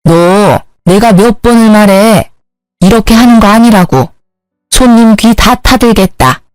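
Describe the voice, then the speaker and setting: A woman voicing a stern older mother-in-law who runs a hair salon, speaking in a slow, scolding drawl. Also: medium pitch, lively intonation, darkish tone, clear, resonant tone, dry recording, faint music behind, natural voice.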